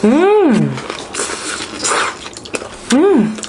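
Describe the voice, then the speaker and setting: A woman's voice: sits high, huge pitch swings, slow pace. A young woman vlogger in casual eating chat, murmuring appreciatively while she chews with her mouth full of chicken. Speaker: mukbang vlogger. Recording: clear background noise, clattering dishes.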